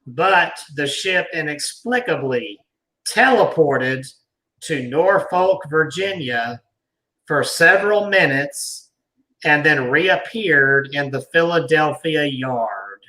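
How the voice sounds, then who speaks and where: Male host, slightly high and forceful bright voice, deliberate storyteller read with pointed pauses and conversational asides. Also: lively intonation, rough recording. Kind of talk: reading an article aloud with asides.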